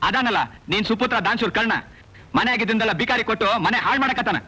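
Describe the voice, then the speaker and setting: An actor playing a bitter, grasping village son, speaking harshly and with scorn. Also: male voice, high-pitched, fast, close to an everyday voice. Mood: scornful. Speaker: greedy son demanding his share. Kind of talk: film drama acting. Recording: film soundtrack with music behind.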